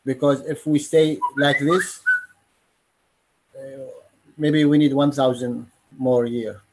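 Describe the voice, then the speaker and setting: A man talks slowly and earnestly in short, broken phrases on a video call. His voice is husky and sits at a middle pitch. He speaks as a panelist. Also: level tone, a little mellow, rough recording. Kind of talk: online panel discussion.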